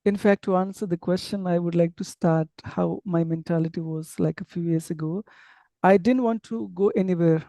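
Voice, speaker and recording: A man's voice: sits high, fairly even intonation, moderate pace, creaky, warm tone, dry recording. A man with an Indian English accent, from Andhra Pradesh, whose first language is an unwritten tribal language, answering interview questions in a casual, hesitant way with many fillers and restarts. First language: tribal language without a script. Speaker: interview guest, English teacher abroad.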